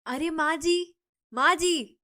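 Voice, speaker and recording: A spiteful neighbor lady from an animated storybook, loud and accusing, picking fights at every turn, put on by a woman narrator. Her voice rides high and shrill. She needles and scolds in sharp, raised bursts. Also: moderate pace. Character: quarrelsome scheming middle-aged female neighbor.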